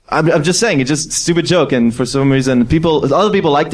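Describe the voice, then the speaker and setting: Ordinary pitch variation marks this man's speech. He has a non-native accent and a very fast pace. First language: not English. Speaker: music producer. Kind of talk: convention panel Q&A. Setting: stage with audience. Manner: halting.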